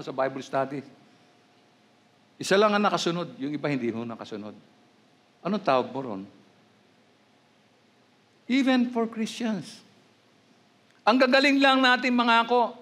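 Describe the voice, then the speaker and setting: A man's voice: a little high, a bit bright. A man with a Filipino accent preaching a sermon as pastor, mixing in English and rising into emphatic questions.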